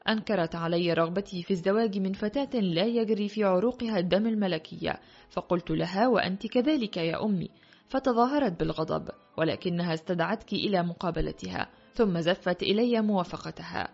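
A woman's voice: on the low side, fairly quick, gravelly, a little mellow. Woman reading as an ardent young crown prince. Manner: earnest and frank. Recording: dull lo-fi audio with faint music.

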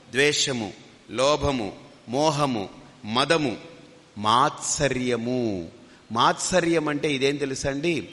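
A man's voice: mid-range voice, a bit bright. A man teaching as a swami in a spiritual discourse, telling stories and acting out what people said, mixing in English phrases. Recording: long hall reverb.

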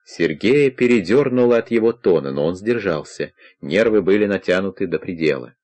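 A man narrating a crime novel as an audiobook in a steady, measured reading. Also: sits low.

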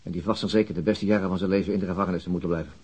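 A middle-aged police inspector in a naturalistic radio play. His voice is low and husky. He grumbles bluntly, with a gloomy, bitter cynicism. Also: fairly even intonation, very fast, darkish tone. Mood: bitter, cynical. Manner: grumbling, sardonic, blunt and coarse. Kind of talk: naturalistic radio drama acting.

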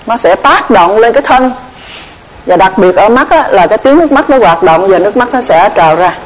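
Measured woman teacher. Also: on the high side, rough recording. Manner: measured, explanatory, often repeats words while searching. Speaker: Buddhist Abhidhamma teacher. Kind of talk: recorded dharma lecture.

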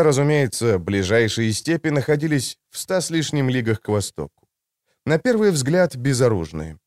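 A male narrator reads a fantasy audiobook in an expressive, measured way. His intonation moves widely around a middle pitch. The recording is dry and close. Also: dry recording. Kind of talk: scripted narration.

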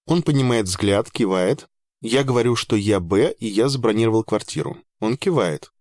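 A man narrating a first-person audiobook in an even, measured way with dry understatement. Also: lowish voice, no echo.

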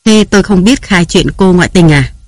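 Man playing a domineering young husband, jealous, harsh, commanding, higher voice. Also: fairly quick, darkish tone, dry recording, clean studio sound, natural voice.

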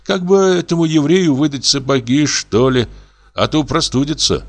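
A male narrator voicing a meek, gentle doctor who speaks softly and apologetically, a little raised above his narrating voice. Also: fairly high pitch, moderate pace, voice pushed up, close to an everyday voice. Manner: soft, mild, apologetic.

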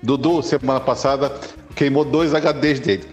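A man's voice: mid-range voice, steady tone, moderate pace, dull audio, over music. A man in a casual live podcast chat from home, telling playful, mocking stories about a friend. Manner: playful storyteller, mocking impressions. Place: home, remote live call.

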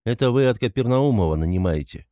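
A man's voice: mid-range voice, expressive, quick pace, mellow, no echo, studio quality, lightly acted. A man reading an audiobook, voicing a gloomy, brooding young man who speaks in an abrupt, sullen way.

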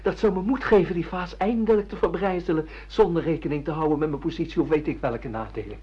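An anguished rebel in a radio play, theatrical and impassioned. The delivery is that of a yearning monologue, slightly husky, on a dull lo-fi recording. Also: female voice, low voice, fast. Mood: brooding, yearning. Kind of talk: radio drama acting.

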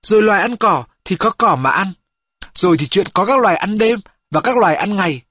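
A man reading a first-person story aloud as an audiobook, steady and storytelling. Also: sits high, brisk, no room sound. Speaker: audiobook reader. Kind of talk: scripted narration.

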